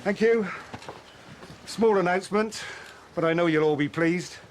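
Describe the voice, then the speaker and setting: Excitable high-voiced proud father. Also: unhurried, slight background noise. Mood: excited, proud. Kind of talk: TV drama acting. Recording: loud crowd and music, off mic.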